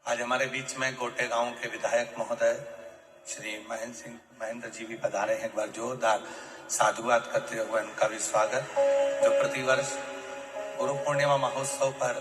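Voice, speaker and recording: A man giving a devotional Hindu scripture discourse to a congregation, phrasing deliberately with long pauses. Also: little pitch movement. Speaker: Hindu religious storyteller and preacher. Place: large venue over a public-address system. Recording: echoey booming PA, long reverb, music.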